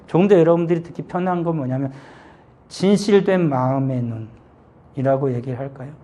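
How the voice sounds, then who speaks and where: A man's voice: fairly high pitch, a little fast, dark tone. A middle-aged man pastor giving a children's sermon, telling a Bible story and asking the children questions.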